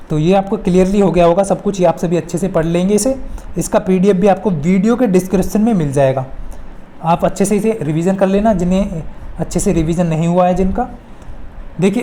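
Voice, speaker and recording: A woman's voice: on the low side, dark tone. A woman teaching an informal exam-prep lesson, working through questions step by step and repeating phrases for emphasis.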